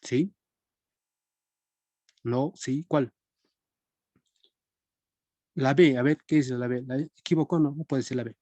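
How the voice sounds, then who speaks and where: A man's voice: medium pitch, fairly even intonation, slow, pauses often, mellow, no room sound. A young man teaching a live-streamed philosophy class in a conversational way, often checking in with his students. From Peru.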